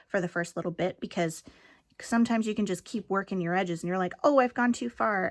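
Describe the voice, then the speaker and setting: Talking very fast with lively intonation, a woman at a medium pitch is heard on a very clean recording with a silent background. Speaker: crochet tutorial maker. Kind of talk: tutorial. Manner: casual and chatty.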